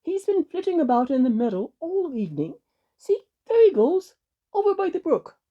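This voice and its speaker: A woman voicing a solemn, white-haired old male pixie fiddler who speaks gravely and deliberately in a storybook tale. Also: very high voice, big pitch swings, lo-fi sound, voice pushed up. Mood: matter-of-fact advice.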